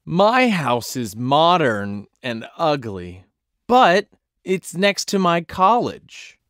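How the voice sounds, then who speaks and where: Slow, lively man reading lesson lines. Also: on the high side, no room sound, studio quality. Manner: slow, clearly enunciated. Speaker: dialogue reader. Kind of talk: scripted language-lesson dialogue.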